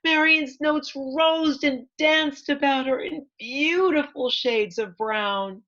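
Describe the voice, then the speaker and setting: A woman author reading her picture book aloud to children in an expressive storytime manner, with asides to point things out. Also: sits high, slow pace, muffled recording. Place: online library event.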